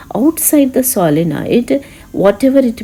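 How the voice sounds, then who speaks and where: A woman speaks with a dark, mellow tone and vocal fry. Her pitch swings very widely. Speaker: physics teacher. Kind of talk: lecture.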